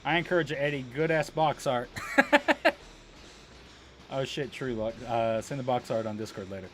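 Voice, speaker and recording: A man's voice: medium pitch, steady tone, fairly quick, slight background noise. A man live streaming a video game, giving casual, slangy commentary and chatting with viewers, with some swearing. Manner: slangy, profane, informal.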